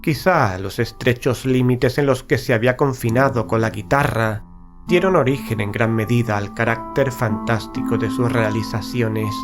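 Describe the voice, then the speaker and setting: A man narrating a literary horror story in a measured, solemn, carefully enunciated dramatic style. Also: mid-range voice. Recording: background music under studio narration. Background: music.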